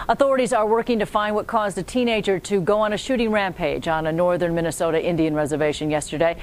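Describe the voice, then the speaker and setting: In a polished and formal scripted delivery, an American TV news anchor presents a local newscast. The recording has clear background noise underpinned by a low rumble.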